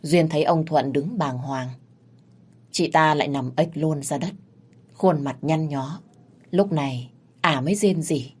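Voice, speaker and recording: A woman reading a scripted narration of a ghost story in a steady, measured way. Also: low-pitched, husky.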